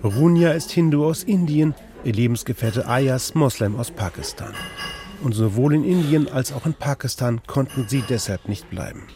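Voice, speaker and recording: A man's voice: mid-range voice, expressive, normal speed, dark tone, faint music behind. Man narrating a radio report.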